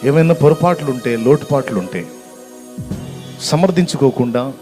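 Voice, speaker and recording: A man delivers a sermon with fervent, pleading intensity, his voice rising to loud cries and then sinking almost to a whisper. His pitch sits in an ordinary middle range for a man. Music plays clearly beneath his words throughout. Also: lively intonation, normal speed. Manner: impassioned, swinging from loud cries to hushed tones; prayerful, pleading. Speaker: pastor.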